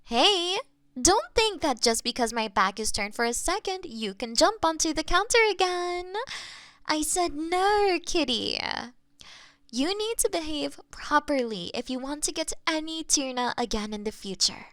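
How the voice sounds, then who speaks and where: High, lilting doting cat owner acted by a woman. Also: animated, measured pace, fairly bright tone, dry recording, studio quality. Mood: gently scolding. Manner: cooing pet talk, giggly, affectionate. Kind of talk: roleplay audio, intimate one-sided scene. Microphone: close binaural microphone.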